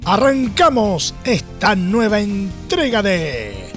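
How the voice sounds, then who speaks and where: A male Chilean radio host with a high-pitched voice presents sports news in a broadcast style. Faint music plays underneath him. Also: wildly swooping pitch, slow pace. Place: radio studio.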